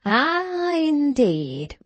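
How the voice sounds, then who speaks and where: A woman plays an old storybook patriarch, benevolent and evasive. He speaks very slowly in a mellow, swooping sing-song, sweetly repeating himself. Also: mid-range voice, animated, no room sound. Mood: sweet, bland. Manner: slow, sweetly drawn-out, repeats phrases. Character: bland, benevolent, evasive old patriarch, smooth-mannered man.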